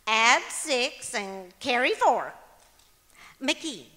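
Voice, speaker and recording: A woman's voice: on the high side, big pitch swings, very slow, bright, forceful tone, exaggerated voice. A woman playing an exasperated, wry but affectionate wife, scolding in a folksy way in 1940s radio comedy style. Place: auditorium stage, live performance. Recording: reverberant auditorium stage.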